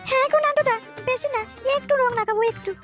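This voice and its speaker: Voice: extremely high pitch, quick pace, loud music behind the voice. An actor voicing a coy, flirtatious neighbour woman in a comic cartoon.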